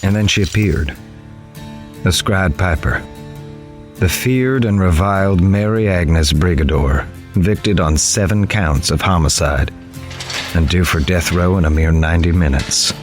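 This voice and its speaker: An actor playing a grave, observant newspaper reporter, narrating a horror audio drama in the first person in a measured, literary way. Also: male voice, low voice. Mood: somber. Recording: music behind the voice.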